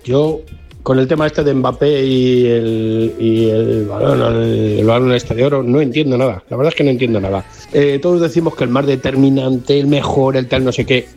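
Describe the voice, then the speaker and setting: A man calls in to a sports radio show and keeps repeating his frustration. His voice is dark and mellow, with faint music playing under it. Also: mid-range voice, steady tone, moderate pace. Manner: exasperated, repetitive. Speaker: caller.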